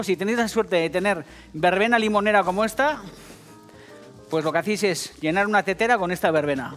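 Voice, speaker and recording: High-voiced basque spanish guy cooking on tv, swears a lot, cracks jokes, bit of music under it. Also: a bit bright. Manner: profane, jokey, addresses viewers directly. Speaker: TV cooking show host. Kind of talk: casual cooking demonstration. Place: TV kitchen set.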